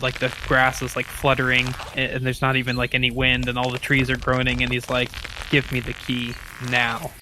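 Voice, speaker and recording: A man's voice: mid-range voice, a bit bright, a little hiss or hum. A man improvising a story casually as a player in a tabletop roleplaying game.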